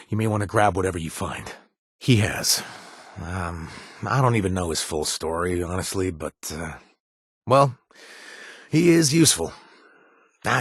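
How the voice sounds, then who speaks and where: An actor playing a wry, hesitant former raider in a video game, with a husky voice and lots of fillers. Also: male voice, deep voice, fairly bright tone, dry recording, clean studio sound, full character voice. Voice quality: husky, punning, easygoing. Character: wry former raider man, trying to stay clean. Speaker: companion character.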